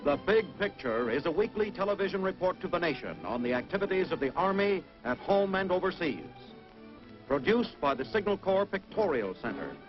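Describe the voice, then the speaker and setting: High-pitched American male television announcer. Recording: dull vintage television audio. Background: prominent music.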